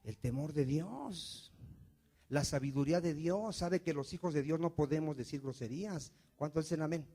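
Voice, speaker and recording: A man's voice: a little high, moderate pace, warm tone. A male pastor preaching a sermon, asking the congregation questions and answering them himself.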